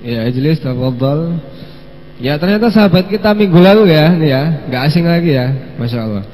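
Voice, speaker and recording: A man hosting a live-streamed children's story lesson, gently coaxing the kids to answer and sprinkling in Arabic phrases. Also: fairly high pitch, animated, fairly quick. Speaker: children's religious teacher and host. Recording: long hall reverb with faint mains hum.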